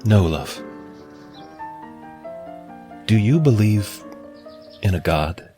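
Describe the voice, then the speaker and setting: An actor playing a gentle, devoted male companion robot in a radio drama, speaking softly and soothingly. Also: fairly low pitch, expressive, drawn-out words. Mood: tender. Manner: soft, soothing and tender. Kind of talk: golden-age style radio play acting. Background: music score.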